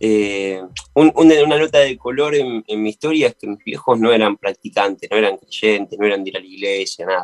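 A man with a plain, everyday voice speaks at a moderate pace, fairly low in pitch with ordinary pitch variation. The sound is dry and close, with no echo. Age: 30s. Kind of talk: interview.

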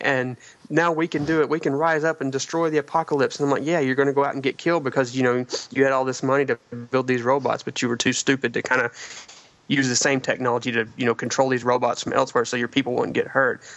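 A man talks at a very fast pace. His medium-pitched voice keeps a fairly even intonation. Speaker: horror film podcast co-host. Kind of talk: casual chat. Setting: remote call.

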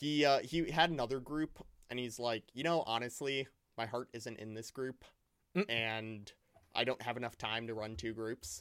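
In a very clean recording with a silent background, a man with a Chicago accent speaks at a moderate pace, with medium pitch and ordinary pitch variation. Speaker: podcast co-host, tabletop gamer. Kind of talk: casual chat.

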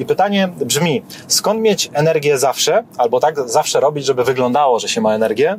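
Noticeable background noise sits behind a man's voice. He has a fairly high pitch and lively intonation. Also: moderate pace. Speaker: podcast host. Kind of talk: interview. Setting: in a car. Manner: calm.

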